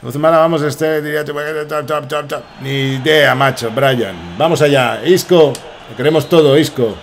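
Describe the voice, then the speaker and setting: A young man from Spain with a Spanish accent, giving rambling, excitable commentary while playing a soccer game and swearing often. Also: fairly high pitch, measured pace, a little hiss or hum. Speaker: gaming streamer.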